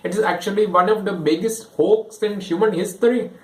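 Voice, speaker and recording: A young man doing a loud Indian-accented man. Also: high-pitched, fairly even intonation, a little fast, recorded from a distance, close to an everyday voice. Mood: insistent. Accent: Indian English. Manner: loud and insistent. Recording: echoey room.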